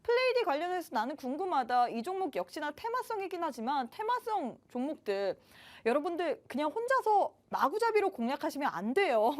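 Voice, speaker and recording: A woman hosting a live stock show in a chatty, promotional way, urging viewers directly to join in. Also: high-pitched. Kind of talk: promotional live broadcast presenting.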